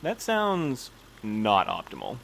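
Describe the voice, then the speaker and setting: A man's voice: fairly low pitch, huge pitch swings, slow, gravelly, a bit bright, slight background noise, heavily acted, poor audio. A man acting in an audio drama as a fussy, earnest postal supervisor who speaks in formal, precise language. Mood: fretful, muttering. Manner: formal, precise, prim wording. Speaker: voice actor in a fiction podcast.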